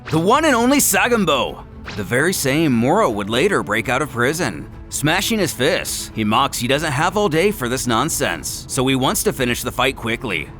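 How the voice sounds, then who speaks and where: A man's voice: a little high, pushed and bright. A man delivering dramatic scripted narration in a theatrical, emphatic way, as the narrator of a fan story recap.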